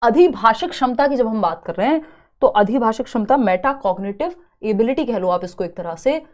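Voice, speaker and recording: A woman's voice: on the high side, animated, darkish tone. Chatty young woman teaching a live class. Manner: chatty, teasing students between explanations; spells out word examples slowly. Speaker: online exam-prep teacher.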